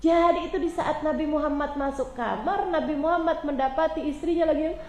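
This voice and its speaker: A woman's voice: high voice, a little fast, slight background noise. Chatty woman preacher, echoey room. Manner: chatty, addresses listeners directly. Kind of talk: casual storytelling sermon. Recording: echoey room with faint ambience.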